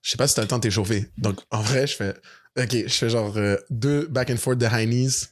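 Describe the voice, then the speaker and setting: A man's voice: medium pitch, a little fast. A Canadian man with a Quebec French accent, telling a story in a casual podcast chat and acting out quoted lines. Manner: animated, acts out quoted lines. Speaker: podcast co-host.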